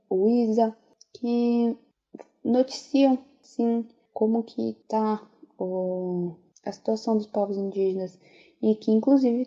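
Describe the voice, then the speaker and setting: A woman's voice: mid-range voice, warm tone. A Brazilian woman talking reflectively as an interviewee, on muffled audio.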